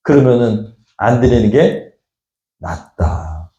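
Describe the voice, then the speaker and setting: A male pastor preaches in a church hall, his mellow voice ringing off the walls. He keeps asking the congregation questions in a plain, chatty way, his pitch swinging up and down as he presses each point. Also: lively intonation, slow pace, lo-fi sound. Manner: fires rhetorical questions at the congregation in casual speech. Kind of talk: sermon. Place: church sanctuary.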